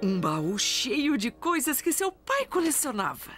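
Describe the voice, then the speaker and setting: Lively Brazilian woman narrating children's stories. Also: sits high, unhurried. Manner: expressive storytelling. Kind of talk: scripted children's story narration. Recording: music behind the narration.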